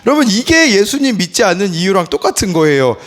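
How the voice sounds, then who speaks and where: Man in his thirties, pastor, morning sermon, high voice, very expressive pitch, asks the congregation questions. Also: fast. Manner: animated, asks the listeners questions, acts out quotes. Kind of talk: early-morning devotional sermon.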